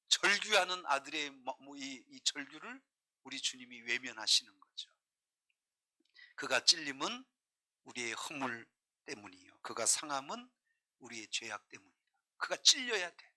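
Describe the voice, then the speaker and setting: A male pastor preaching a sermon, emphatic and full of questions to the congregation, often dropping to a hush and then rising again. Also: mid-range voice. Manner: emphatic preaching, questioning the congregation, swinging between loud and hushed.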